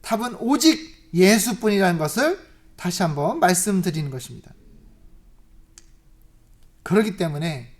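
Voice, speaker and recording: A preacher at a church service tells a story in a sermon, swinging between loud emphasis and soft asides and asking the congregation rhetorical questions. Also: mid-range voice, animated, moderate pace, long pauses.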